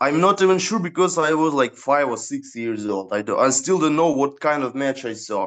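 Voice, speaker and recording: A man with a non-native accent talks at a fairly high pitch, his voice swinging very widely up and down. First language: Russian. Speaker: professional wrestler. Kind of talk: interview. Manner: halting, many fillers.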